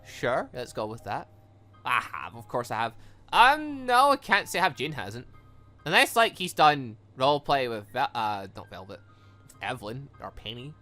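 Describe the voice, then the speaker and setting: An animated man with a bright, forceful voice gives casual gaming commentary. He rambles, trails off and corrects himself. Faint music plays behind him. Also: medium pitch, normal speed. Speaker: gaming video host playing a visual novel. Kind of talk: casual let's-play commentary, reading game dialogue aloud.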